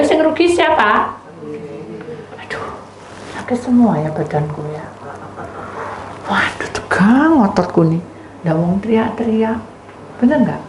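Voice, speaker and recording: Woman pastor, East Javanese accent, lively sermon delivery with wide pitch swings, echoey room. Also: a little hiss or hum. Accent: East Javanese Indonesian. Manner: animated storytelling, addresses listeners as "saudara". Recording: roomy echo with faint ambience.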